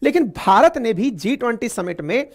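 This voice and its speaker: A man's voice: very high voice, sing-song, normal speed. Chatty man explaining current affairs. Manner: chatty, repeats points, addresses listeners directly. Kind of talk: conversational explainer lecture.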